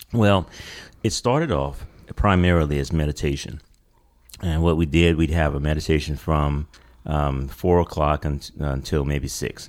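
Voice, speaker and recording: In an American accent, a man talks at a moderate pace with a very deep, low pitch and ordinary pitch variation. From US South, Louisiana (Crowley, Acadiana). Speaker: meditation group organizer. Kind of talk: casual interview. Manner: halting, many fillers.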